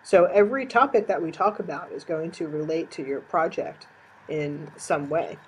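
Woman, teacher, recorded lecture, lowish voice, steady explaining, soft background hiss. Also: moderate pace, low-quality recording. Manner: explanatory, with frequent fillers.

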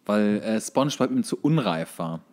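A man's voice: on the low side, animated, normal speed, darkish tone. A man co-hosting a podcast, chatting casually as he retells cartoon episodes. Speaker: podcast co-host.

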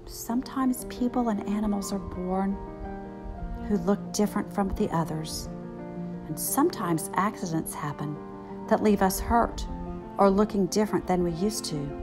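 Picture book grandmother, read by a woman: reassuring, instructive, gently encouraging, faint music underneath. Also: medium pitch, moderate pace, pitched below the performer's own voice, natural voice. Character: kind, reassuring grandmother teaching her granddaughter.

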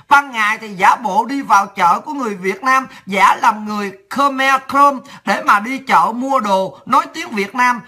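Fiery high-voiced Southern Vietnamese woman. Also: sharp tone. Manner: heated, sarcastic, coarse ranting. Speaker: political commentator. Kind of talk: political rant vlog.

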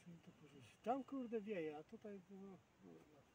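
A man's voice: high-pitched, animated, normal speed, dark tone. A man, a fishing vlogger, talking casually to himself outdoors in short, rambling fragments. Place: outdoors at a fishing spot, windy. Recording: noisy outdoor recording, far from the mic.

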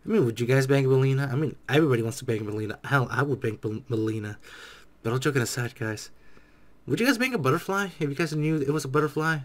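A young man giving casual, excitable reaction commentary on a game, echoing the lines he hears. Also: mid-range voice, quick pace. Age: young adult. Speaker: gaming reaction streamer. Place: small dark room indoors.

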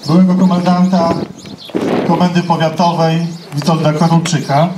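A man's voice: on the high side, level tone, moderate pace. A man acting as master of ceremonies, formally reading out scripted announcements and lists of names over an outdoor PA. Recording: echoing outdoor PA, distant, faint noise.

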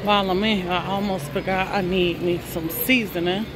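A woman's voice: lowish voice, steady tone, moderate pace. A woman vlogging while she shops in a large warehouse store, chatting to viewers and exclaiming over prices. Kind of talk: casual shop-with-me narration. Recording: noisy store background. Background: store noise.

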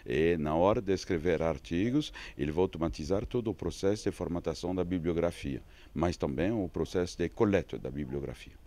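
An older man explaining technical software points in an interview, speaking into a handheld mic. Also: deep voice, a little fast, hardly any pauses. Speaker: visiting professor. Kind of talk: on-camera interview. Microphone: handheld reporter mic.

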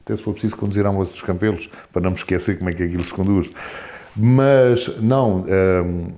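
Deep mellow-voiced guy in his 40s, chatty interview guest, keeps restarting his sentences. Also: quick pace. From France. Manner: rambling, animated storytelling with frequent restarts. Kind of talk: casual conversational interview.

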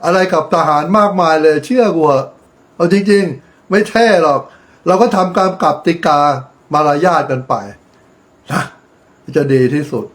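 A man's voice: a little high, animated, a little slow. A middle-aged man giving casual, profane political commentary on his own channel, blunt and lecturing. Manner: blunt, crude, swears freely; preachy, lecturing advice.

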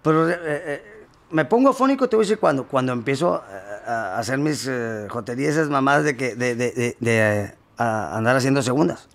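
A man's voice: medium pitch, expressive, brisk. A male singer, talking casually in an interview, rambling with many restarts and slang.

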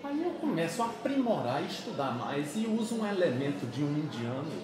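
A man in his fifties from Pernambuco, Brazil, telling stories in a chatty, animated way during an interview, often checking that his listener follows along. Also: on the high side, brisk, very echoey, crowd noise, rough recording. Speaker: musician guest. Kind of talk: casual interview. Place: small office meeting room. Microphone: camera across the table.

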